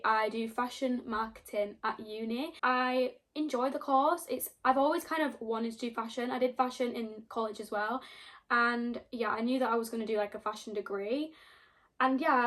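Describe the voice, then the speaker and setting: Young woman, Yorkshire accent, chatty rambling vlog talk, slightly high voice. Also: fairly bright tone. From Yorkshire, England. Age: young adult. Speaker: book vlogger. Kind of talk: casual chat to camera.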